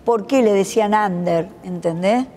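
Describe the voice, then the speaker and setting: A woman with an Argentine accent interviewing casually, with informal, halting questions and frequent interjections. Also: mid-range voice, mellow, soft background music.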